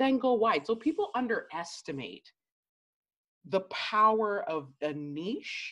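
Against a quiet background, a woman speaks at a fairly slow pace with long, frequent pauses and very wide pitch swings. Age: 40s. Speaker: entrepreneur and business coach. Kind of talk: interview. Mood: calm advising. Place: home room. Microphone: video call.

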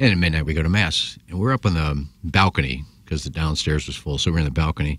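A man speaks at a very fast pace with a very deep, low pitch and vocal fry. The background is quiet, and the sound is dry with no echo. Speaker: sports radio co-host. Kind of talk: casual chat. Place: studio. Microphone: studio mic.

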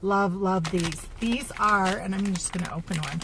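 A woman's voice, dry sound with no echo, over noticeable background noise. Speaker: product seller. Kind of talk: casual live unboxing chat. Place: car. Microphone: phone near.

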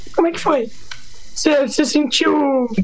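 A man speaks at a moderate pace, his pitch swinging very widely. Light background noise can be heard. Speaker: co-host asking questions. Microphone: video call.

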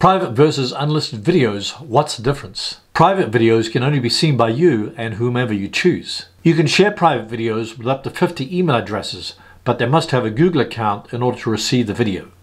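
Over a quiet background, a man speaks at a fairly quick pace in a somewhat breathy voice. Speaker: video creator. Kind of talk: tutorial. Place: home room.

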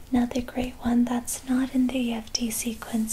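Light background noise sits behind a woman's voice. She speaks at a high pitch with monotone, flat intonation. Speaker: wellness guide. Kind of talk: guided tutorial. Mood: warm, gentle, encouraging. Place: home room.

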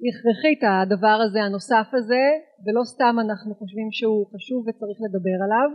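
A woman speaks at a moderate pace in a plain, everyday voice with fairly high pitch and fairly even intonation. The background is quiet. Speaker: movement activist. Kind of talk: speech. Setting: stage with audience. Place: hall. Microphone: handheld.

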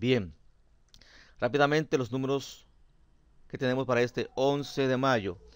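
A man at a fairly slow pace. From Dominican Republic.

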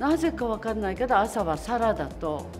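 Over clear music in the background, a woman speaks at a fairly slow pace with very wide pitch swings. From Japan. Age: 70s. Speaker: actress. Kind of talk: casual interview talk. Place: studio.

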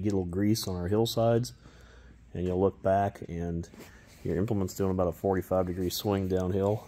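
With a very deep, low pitch and a dark, mellow tone, a man speaks at a moderate pace with fairly even intonation. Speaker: farmer building a planter. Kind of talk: tutorial voiceover. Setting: workshop. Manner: casual, informal.

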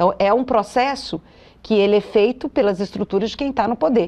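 This woman's voice is medium in pitch. She keeps a moderate speed. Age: 50s. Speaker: political candidate and teacher; candidate, teacher. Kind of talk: political interview. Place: studio. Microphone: lapel.

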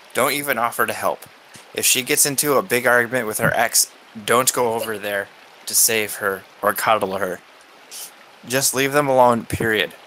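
A man speaks at a moderate pace while noticeable background noise sits behind him. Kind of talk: reading social media posts aloud. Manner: stuttering, halting.

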